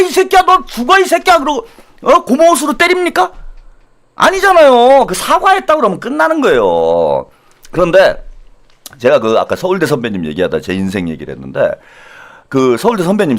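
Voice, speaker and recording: A man hosting his own channel, telling a self-mocking satirical monologue, dropping to low asides and rising to loud outbursts. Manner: animated, self-mocking, jumps between low asides and loud mock-quotes. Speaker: channel host.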